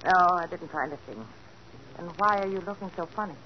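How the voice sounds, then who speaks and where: Actress as a flustered older aunt. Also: female voice, lowish voice, brisk, natural voice. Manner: flustered, evasive. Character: anxious older aunt hiding a clue. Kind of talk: 1940s radio acting. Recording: dull hissy 1940s radio recording.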